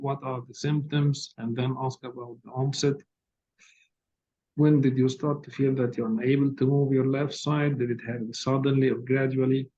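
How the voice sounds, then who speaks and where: A man with a low, soft voice giving hesitant but direct feedback as an exam tutor over a video call. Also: gravelly. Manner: hesitant, many fillers, corrective and direct. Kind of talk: online tutoring feedback session. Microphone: laptop on a video call. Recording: dull lo-fi video call audio with faint hiss.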